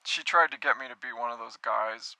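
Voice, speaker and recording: A man performs an earnest, naive young man for a cartoon spoof. His voice is strikingly bright and cutting, recorded very dry. He talks in a hesitant, self-pitying, brooding way, as in an everyday conversation. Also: mid-range voice, a little fast, gravelly, dry recording, low-quality recording. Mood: wistful.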